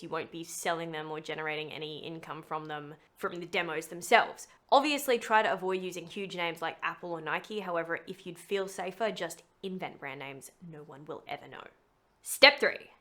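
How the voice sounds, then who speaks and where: A woman's voice: on the low side, a little fast, bright, forceful tone. A woman giving a scripted tutorial in a chatty, emphatic way with some self-deprecating humour. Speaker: voice actor teaching how to make a demo reel. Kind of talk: scripted tutorial narration to camera.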